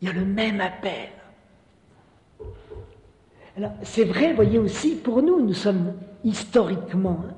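A man's voice: high-pitched, slow pace, long pauses, mellow. A man giving a spiritual teaching talk in an earnest manner, often repeating words and tossing in little "hein" asides. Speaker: preacher. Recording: reverberant hall.

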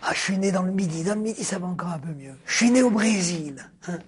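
A man giving a spoken philosophy lecture, drawn out and rhetorical, repeating key words and dropping suddenly into a hushed near-whisper. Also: sits high, noisy background. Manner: deliberate, drawn-out phrasing with sudden hushed drops.

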